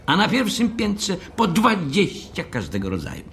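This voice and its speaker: An actor playing a pompous, officious hotel manager in an audio drama, speaking in a formal, methodical way. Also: male voice, high voice, huge pitch swings, normal speed, a bit bright, a little hiss or hum, exaggerated voice. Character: officious, pompous male hotel manager briefing a new caretaker.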